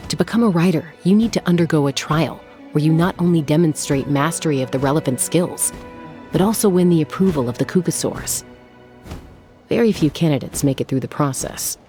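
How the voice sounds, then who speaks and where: A woman playing a calm, confident, protective tribal guardian in a video game, speaking in a measured, reassuring way. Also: low-pitched. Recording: music behind the voice.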